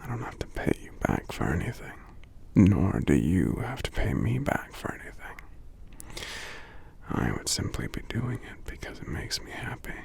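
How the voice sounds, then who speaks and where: Casting: male actor for tender, under-the-weather giant boyfriend, ASMR roleplay. Congested, heavily creaky voice, widely swooping intonation, soft and affectionate. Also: sits low, very animated, heavily acted. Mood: affectionate, reassuring. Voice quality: congested, stuffy, breathy half-whisper. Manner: soft, unhurried, murmuring hums between phrases. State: congested from a cold. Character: gentle sick male giant, tender romantic partner.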